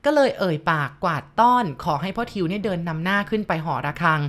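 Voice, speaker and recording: A woman's voice: medium pitch, expressive, fast talker, fairly bright tone. A woman narrating listener-sent ghost stories, polite and talking straight to her audience. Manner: polite, addresses listeners directly.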